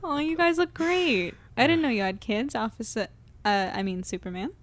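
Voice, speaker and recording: An actress plays a friendly young woman in an audio drama, talkative and a little wry. Her voice is fairly high and natural, over faint background ambience. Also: moderate pace, a little hiss or hum, lightly acted. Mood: friendly, playful.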